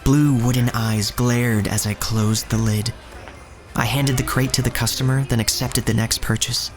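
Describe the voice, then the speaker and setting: An actor playing an earnest, uneasy young shop boy, narrating his own story in a measured, literary way. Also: medium pitch, fairly even intonation, faint music behind, natural voice. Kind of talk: first-person scripted narration in audio drama.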